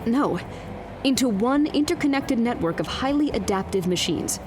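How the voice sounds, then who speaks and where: A woman playing a wry, exasperated field news reporter in an audio drama, speaking in a crisp, pointed broadcast style. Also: a little high, expressive, normal speed, noisy background, lightly acted. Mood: brisk, pointed.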